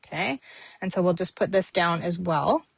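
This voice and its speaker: A woman's voice: fairly low pitch, animated, moderate pace, creaky, husky, dry recording. Female craft host, talks with a friendly ramble while working, dry close mic. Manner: chatty, many ums, talks while working. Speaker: papercrafting host. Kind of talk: casual crafting tutorial.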